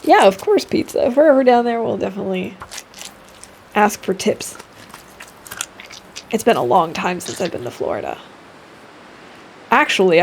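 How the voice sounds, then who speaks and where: A woman streams a survival game and chats easily with her viewers, laughing often as she answers them by name. Her voice sits a little high. A faint noise runs underneath. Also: gravelly, darkish tone. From United States. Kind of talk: casual gameplay chat with chat readers.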